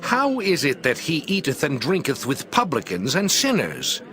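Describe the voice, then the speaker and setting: A man's voice: on the high side, huge pitch swings, moderate pace, a bit bright. A man playing a disapproving, scornful scribe in a dramatized scripture reading.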